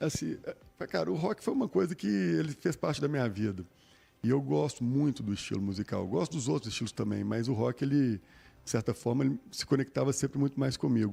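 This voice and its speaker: The voice has a dark, mellow tone with vocal fry. Its intonation is lively. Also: man, medium pitch for a man, fairly quick pace. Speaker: radio network executive. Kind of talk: radio interview.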